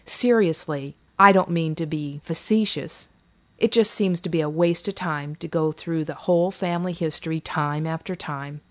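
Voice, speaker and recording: Woman reading an exasperated, sarcastic mom in a therapy role-play, low voice, defensive. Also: fairly even intonation, normal speed, few pauses, a little mellow, close to an everyday voice. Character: weary, sarcastic mother of a teen girl.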